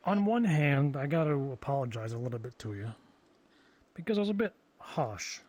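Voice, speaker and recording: A man improvising in-character conversation, informal, halting and rambling as he talks. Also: medium pitch, animated, darkish tone, dry recording. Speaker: roleplayer in a virtual reality game.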